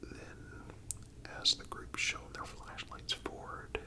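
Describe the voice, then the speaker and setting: A man whispering a scripted story as an ASMR host, in a measured, deliberate way with pauses.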